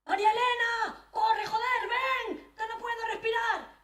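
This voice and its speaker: A woman voicing a desperate, crude, bedridden middle-aged man who shouts in panic, heard from a distance in a roomy hall. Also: very high voice, flat delivery, measured pace, a faint crowd, voice pushed up, exaggerated voice. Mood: panicked shouting.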